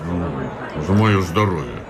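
A man's voice: deep voice, lively intonation, measured pace, noisy background. An actor playing a cynical, hard-drinking male petition-writer in a radio play, boisterous and mocking, always pressing drinks on his companion. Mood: boozy. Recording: music playing behind the voice.

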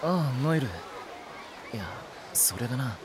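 A man's voice: medium pitch, lively intonation, moderate pace, noisy background, close to an everyday voice. An actor playing a serious, protective young man in an anime audio drama. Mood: concerned, calm. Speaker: lifeguard.

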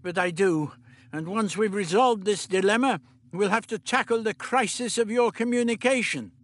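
A man voicing a fussy elderly doctor, pitched high. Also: a bit bright. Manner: old-fashioned, fussy, stammering, brisk. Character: fussy, absent-minded elderly male doctor. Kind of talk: audiobook character reading.

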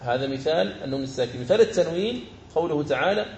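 A man teaching the rules of Quran recitation, explaining each rule and then slowly chanting verse examples. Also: fairly high pitch, expressive, a little mellow, echoey room, slight background noise. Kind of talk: tajweed lesson with chanted examples.

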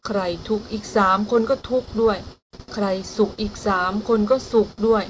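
A woman's voice: medium pitch, steady tone, moderate pace, slight background noise, lightly acted, poor audio. A woman reading the part of a protective older brother who speaks firmly and plainly.

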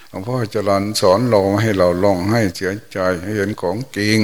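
An older man with a lilt, a monk giving a folksy, unhurried Dhamma talk. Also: on the low side, a little mellow. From Thailand. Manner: folksy, unhurried storytelling with exclamations. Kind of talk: sermon.

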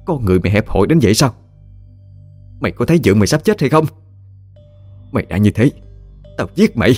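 A man's voice: low-pitched, animated, normal speed, darkish tone, breathy edge, faint music behind, full character voice. A man voicing a scheming older aunt who scolds and threatens her niece. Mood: scolding. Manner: scolding, harsh, wheedling.

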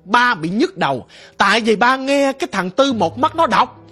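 Brief: a woman, dramatic ghost story narrator, husky tone. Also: a little high, expressive, moderate pace, fairly bright tone, faint music behind. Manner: dramatic, conversational retelling.

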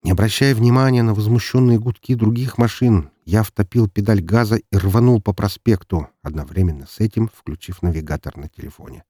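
Male audiobook reader, low-pitched and husky, expressive delivery, dry studio sound. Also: a little fast, hardly any pauses, no room sound. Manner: expressive storytelling reading. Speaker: audiobook narrator. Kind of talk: scripted narration.

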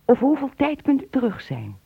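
A muffled, dry old radio play recording. a lonely, nosy elderly woman with a husky voice and lively swings of pitch, insistently asking questions. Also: fairly quick, exaggerated voice. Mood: curious, wistful. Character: lonely, inquisitive old woman starved for company. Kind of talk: radio drama acting.

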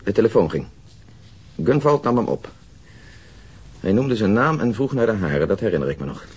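Low, husky, methodical detective. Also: male voice, big pitch swings, a little mellow. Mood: recollecting, precise. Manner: measured, precise, matter-of-fact. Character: methodical, unflappable pipe-smoking male detective with exact memory. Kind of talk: naturalistic Dutch radio drama acting.

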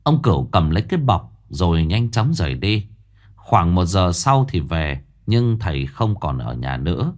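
A man narrating a ghost story in an expressive, dramatic way. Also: low voice, moderate pace. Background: faint music.

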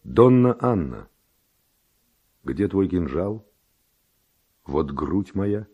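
A man's voice: deep voice, big pitch swings, extremely slow, slightly rough, muffled recording, heavily acted. An actor playing a passionate Spanish nobleman seducer, speaking verse in an ardent, declamatory radio drama manner. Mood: bold confession.

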